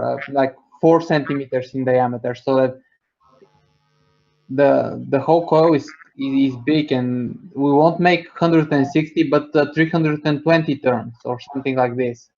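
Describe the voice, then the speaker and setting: A man's voice: medium pitch, fairly even intonation, measured pace, creaky, darkish tone, highs cut off. A man from Bulgaria in the audience asks a question, hesitant and full of filler sounds and restarts. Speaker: audience member asking a question.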